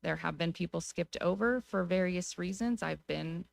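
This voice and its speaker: An American woman speaking as a city council member at a public meeting, giving her view in a measured, informal way. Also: on the low side, vocal fry, no room sound. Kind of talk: deliberative public meeting remarks.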